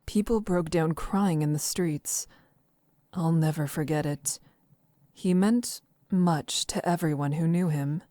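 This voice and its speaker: A woman's voice: low voice, slow pace, mellow, no room sound, clean studio sound. An actress playing a composed, reserved young woman traveler in a visual novel, speaking formally and with restraint. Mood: subdued, wistful.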